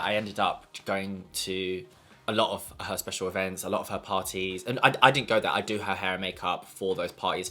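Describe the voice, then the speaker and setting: Young guy gossiping while he eats, bright lowish voice, says like a lot. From London. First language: Portuguese. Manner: chatty, gossipy, lots of "like". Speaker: makeup artist vlogger. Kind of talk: casual mukbang chat.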